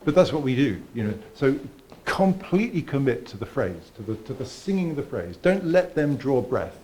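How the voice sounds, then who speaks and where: A man teaching a viola masterclass, coaching a student with lively encouragement and sung phrases. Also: medium pitch, normal speed, a little hiss or hum. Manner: animated, sings phrases and encourages. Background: viola and piano playing.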